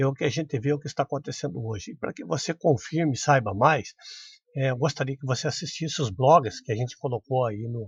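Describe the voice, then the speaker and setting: Against a quiet background, a man's somewhat breathy voice moves at a moderate pace with lively intonation, the sound dry and close with no echo. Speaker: bible prophecy video maker. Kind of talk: religious commentary video.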